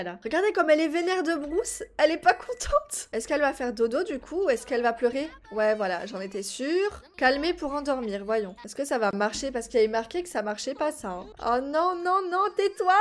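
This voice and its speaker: High-voiced woman gushing over a game. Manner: animated, cooing and exclaiming over the game. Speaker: gaming streamer. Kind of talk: casual let's-play commentary.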